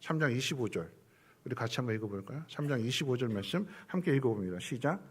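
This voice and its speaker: A man's voice: medium pitch, animated, fast talker, slightly rough. A man preaching a Sunday sermon as a church pastor in South Korea, acting out quoted voices and sometimes dropping to a whisper. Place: church sanctuary.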